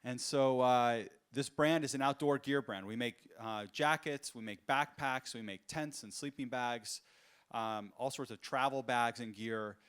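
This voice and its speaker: A man speaks on a conference stage, in a voice of ordinary middle pitch. He tells personal stories earnestly and often pauses on fillers or restarts a phrase. It sounds like a keynote from a business summit. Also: a bit bright, smooth. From United States. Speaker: entrepreneur giving a conference talk.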